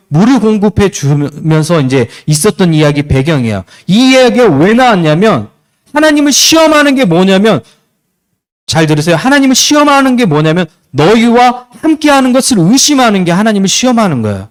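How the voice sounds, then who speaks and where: Young male youth pastor, high and lively, preaching to teens with questions and acted scenes. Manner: asks the students questions and acts out short scenes. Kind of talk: youth sermon.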